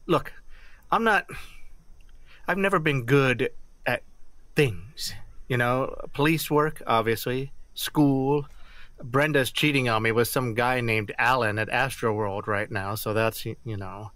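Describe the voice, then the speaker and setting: A hapless but devoted father and policeman played by a man in an audio drama. He talks haltingly and sincerely in a medium-pitched voice, recorded very dry. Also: a bit bright, no room sound, lightly acted. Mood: defensive, sheepish.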